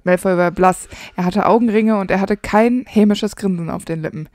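A podcast co-host in a mid-range voice reads fan fiction aloud and slips into soft whispers for the dialogue. The recording is dry and close-miked. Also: female voice, mid-range voice, normal speed, dry recording.

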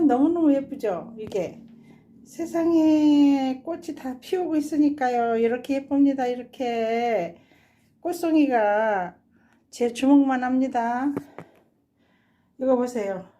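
Touring her balcony garden in a relaxed vlog, a woman who runs a gardening channel speaks warmly about her plants, sighing out exclamations often. Her voice is a little high and mellow.

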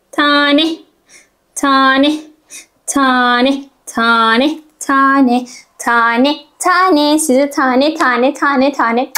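Speaking in a voice that sits high, a woman teaching first grade reading patiently sounds out syllables and says them over many times. It's a slow phonics lesson, and she talks directly to the child, coaxing softly.

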